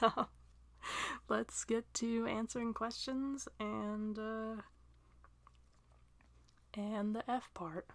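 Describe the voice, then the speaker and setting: In a dry, close recording with no room sound, a young woman with a mid-range voice takes her time answering listener questions. She rambles, laughs often, pokes fun at herself, and now and then drops into a soft, almost whispered aside.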